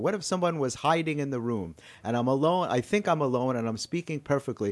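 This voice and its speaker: In a normal speaking voice, a man of medium pitch talks at a fairly quick pace with lively intonation, in a dry, close sound with no echo. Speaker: comedian, author and stuttering coach. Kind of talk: casual interview chat.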